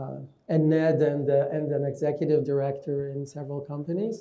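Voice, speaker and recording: In a room with audible echo, a man with an American accent talks at a fairly high pitch, his intonation fairly even. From US, New York. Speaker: mining investor and advisor. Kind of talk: panel discussion.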